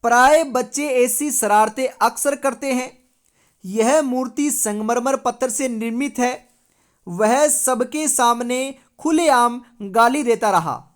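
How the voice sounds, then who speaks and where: A woman's voice: a little high, slow pace. A woman teacher from India running an exam-prep quiz lesson, reading out multiple-choice options and confirming each answer with stock phrases. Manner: reads options aloud, then confirms with repeated catchphrases.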